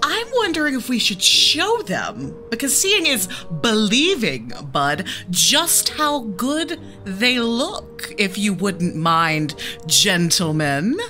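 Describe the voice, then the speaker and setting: A woman's voice: medium pitch, sing-song, takes it slowly, sharp tone, soft background music. A woman playing a tabletop game, describing what her character does.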